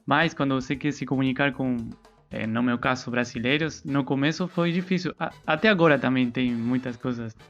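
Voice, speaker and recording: A man's voice: mid-range voice, a little fast, highs cut off, soft background music. An Argentine man, a native Spanish speaker with an Argentine accent, chatting casually as a podcast co-host and searching for words.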